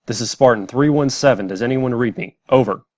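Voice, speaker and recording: A man's voice: medium pitch, brisk, a little mellow, lightly acted. A man playing an armored soldier making a clipped, formal military radio call for a reply. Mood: urgent, formal. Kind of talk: military radio transmission acting.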